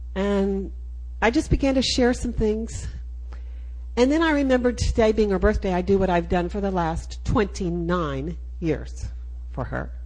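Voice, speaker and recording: A woman with an American accent at a fairly slow pace, long and frequent pauses, and noticeable background noise. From Texas. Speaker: church speaker giving testimony. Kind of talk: testimony.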